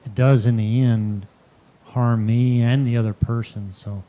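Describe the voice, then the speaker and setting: A man's voice: medium pitch, fairly even intonation, unhurried, warm tone, dull audio. A man in the audience sharing a hesitant, reflective comment. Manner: hesitant, reflective, restarts often. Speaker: audience member.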